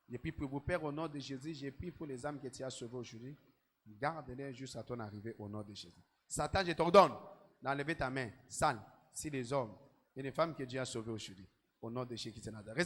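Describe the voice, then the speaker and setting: A man, a pastor leading prayer and preaching with repetitive shouted commands in a large church hall. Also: fairly high pitch. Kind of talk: sermon and led prayer.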